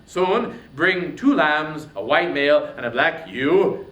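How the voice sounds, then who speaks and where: A man voicing a wronged warrior king, commanding, grave and bitter, in a loud, declamatory epic reading. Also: a little high, expressive, slow pace. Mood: commanding, aggrieved. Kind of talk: dramatic reading of ancient epic poetry. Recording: roomy echo, distant mic, faint noise.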